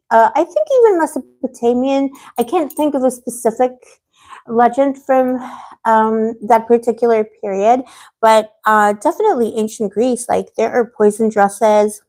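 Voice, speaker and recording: A woman's voice: mid-range voice, warm tone. A woman hosting a tarot livestream, talking in a loose, rambling way with lots of fillers, restarts and small laughs. Her voice sits in an ordinary middle range. It sounds slightly worn, as if it has been giving out lately. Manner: gossipy, laughs often. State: losing her voice. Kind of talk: casual livestream chat. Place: living on a Mediterranean island.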